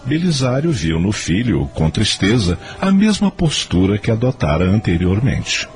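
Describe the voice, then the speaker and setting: Casting: grave Brazilian radio drama narrator, deep and melodically varied, faint music behind. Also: male voice, very animated, normal speed. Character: grave storyteller of a moral drama.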